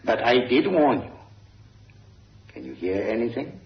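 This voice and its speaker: An actor playing Kramer, a cold, sinister villain who gloats with smooth menace, in an old radio drama recording. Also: male voice, medium pitch, very animated, measured pace, reverberant, dull audio. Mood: gloating.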